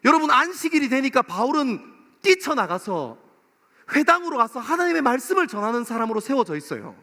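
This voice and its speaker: A man's voice: very high voice, big pitch swings, fairly quick, sharp tone. A man preaching a sermon as a pastor, impassioned and addressing his listeners directly with rhetorical questions. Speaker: pastor preaching to a young adult congregation. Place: church worship hall, live service. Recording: long hall reverb of a worship room.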